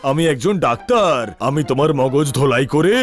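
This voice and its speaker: A pompous, heavyset doctor from a children's cartoon voiced by a man. The voice is a little high and very animated, swooping theatrically through flowery phrases. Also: a little fast, faint music behind, close to an everyday voice. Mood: exasperated. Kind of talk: dubbed children's cartoon acting.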